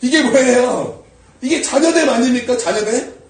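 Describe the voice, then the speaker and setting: A male pastor preaching a sermon, swinging from shouted prayers down to quiet, low asides. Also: normal speed, reverberant, distant mic. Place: church sanctuary.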